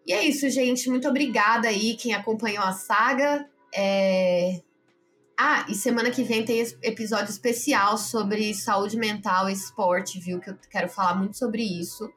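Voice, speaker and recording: A Brazilian woman with a Brazilian Portuguese accent, hosting a podcast and telling a story casually, animated, laughing and swearing freely. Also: medium pitch, moderate pace, soft background music. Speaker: podcast host.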